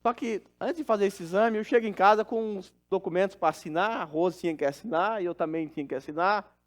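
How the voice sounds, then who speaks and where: A man's voice: sits high, a little fast. A middle-aged man, preaching a sermon as pastor and telling a personal story in an earnest, conversational way.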